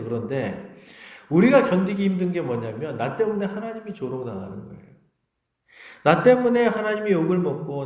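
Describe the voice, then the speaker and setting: A man's voice: medium pitch, darkish tone, reverberant. A male pastor preaching a sermon with passion, often voicing prayers aloud in the first person.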